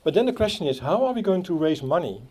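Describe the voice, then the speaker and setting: Dutch-accented man with a mellow voice. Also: high voice, big pitch swings. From Netherlands. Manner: halting, many fillers and restarts. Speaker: Rotary club speaker. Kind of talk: outdoor opening speech. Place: outdoor playground.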